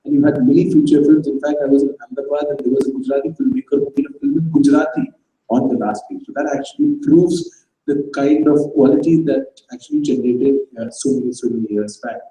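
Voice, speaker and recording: A man's voice: mid-range voice, big pitch swings, fast, mellow. A man introducing a staged reading to a live audience, chatty and quizzing the crowd. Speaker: event presenter. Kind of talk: casual talk to a live audience. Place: auditorium at an arts festival. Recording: echoey hall, distant mic.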